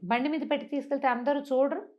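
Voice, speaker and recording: Female storyteller, higher-pitched, conversational delivery of an informal folk tale, with asides and rhetorical questions. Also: steady tone, fast talker, muffled recording.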